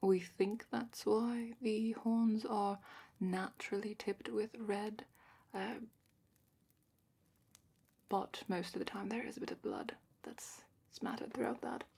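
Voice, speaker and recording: Woman as slow, breathy, whispering dragon instructor. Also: mid-range voice, steady tone, heavily acted. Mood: calm, instructive. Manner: hushed, unhurried, explanatory. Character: female dragon expert, calm, matter-of-fact instructor. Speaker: ASMR roleplay performer. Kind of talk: soft-spoken fantasy ASMR roleplay, partly whispered.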